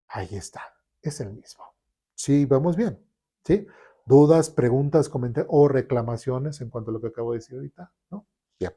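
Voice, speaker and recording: Mellow-voiced man teaching a Bible class, chatty and asking the class if they follow. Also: mid-range voice, slightly rough. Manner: conversational, checks in with the class often. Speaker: Sunday school teacher. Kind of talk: informal Bible class lecture. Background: class recorded in a church room.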